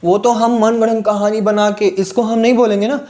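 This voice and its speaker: A physics teacher speaks in Hindi laced with English terms, his high voice brisk, darkish and flat in delivery. In this classroom lesson he builds the explanation step by step, returning to key phrases and often asking whether students are keeping up.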